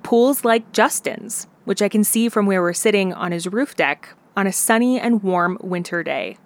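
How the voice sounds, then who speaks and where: A woman reporter narrating a radio news feature in a clear, steady way. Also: mid-range voice, moderate pace.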